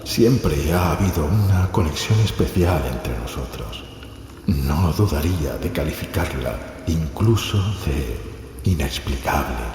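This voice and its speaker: Very deep-voiced grieving gentleman in echoing crypt. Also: lively intonation, heavily acted. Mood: mournful, murmuring. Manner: slow, murmuring, solemn delivery. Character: grieving, haunted gentleman mourning his twin sister. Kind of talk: gothic horror audio drama acting. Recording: very echoey crypt reverb, noisy ambience.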